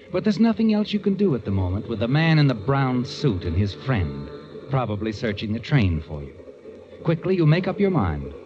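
An American actor playing a taunting, knowing, ominous narrator of a 1940s radio suspense drama. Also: male voice, mid-range voice, lo-fi sound, noisy background, close to an everyday voice. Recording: band-limited vintage radio recording.

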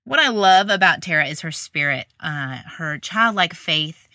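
Woman podcast host, bright and slightly low voice, eager chatty delivery, dry close recording. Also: lively intonation, moderate pace, no room sound. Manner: enthusiastic, chatty, laughs easily. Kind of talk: casual interview chat.

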